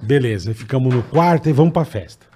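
A man with a Brazilian accent telling a wild party story in casual chat, animated and profane. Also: mid-range voice, quick pace, a little hiss or hum. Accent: Brazilian Portuguese.

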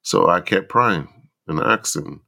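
A man's voice: deep voice, unhurried, gravelly, pushed and bright. A middle-aged man with a stuffy nose from a flu, hosting a podcast and earnestly urging fathers. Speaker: podcast host. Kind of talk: personal podcast monologue.

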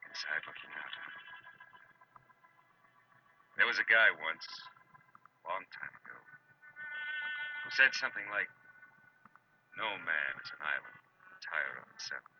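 Through heavy noise on a muffled old radio recording comes a world-weary private eye. He is very low-voiced and brooding, with clipped, dramatic phrasing that swings widely in pitch. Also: lively intonation, unhurried, long pauses. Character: hard-boiled male private eye, world-weary but tender. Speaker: lead actor and narrator of detective series. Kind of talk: 1940s radio noir acting and narration.

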